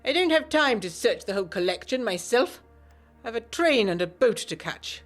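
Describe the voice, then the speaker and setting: A woman voicing an irritable, secretive upper-class man with a creaky tone in a gothic audio drama. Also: a little high, sing-song, moderate pace, faint music behind, voice pushed up. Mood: impatient.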